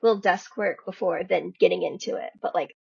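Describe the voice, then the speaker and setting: A woman's voice: fairly low pitch, fairly quick, gravelly, a little mellow, breathy edge. A woman speaking casually as a writer guest on a podcast, on a slightly dull, lo-fi track. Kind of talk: casual conversational interview.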